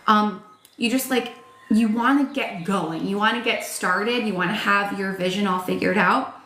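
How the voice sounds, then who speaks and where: Her medium-pitched, somewhat bright voice is tired and starting to crack as this woman in her thirties gives a casual tarot reading. Talking frankly, she swears and uses a lot of "like" and "um." The audio is roomy with a little hiss or hum.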